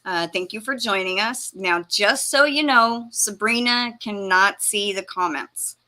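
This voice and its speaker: Bright-voiced chatty woman host. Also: medium pitch, a little slow. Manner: chatty, laughs often, fumbles with the stream software. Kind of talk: casual live-stream chat, reading out viewer comments.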